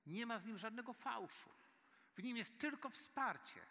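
Male preacher, high and very bright tone, earnest sermon and prayer, long church reverb. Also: expressive, moderate pace, vocal fry. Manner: earnest, addresses listeners as dear friends.

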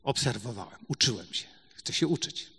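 A man's voice: medium pitch, lively intonation, normal speed, slightly rough. Polish man preaching testimony in echoing hall. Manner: storytelling, swings between loud emphatic bursts and quiet asides. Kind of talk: sermon testimony. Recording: long hall reverb.

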